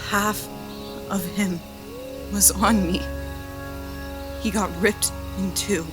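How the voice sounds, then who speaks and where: A woman playing a frightened, injured young crash survivor in an audio drama, halting and pleading as she repeats herself. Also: mid-range voice, fairly even intonation, music in the background, natural voice. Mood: shaken, tearful. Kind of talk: naturalistic audio drama acting.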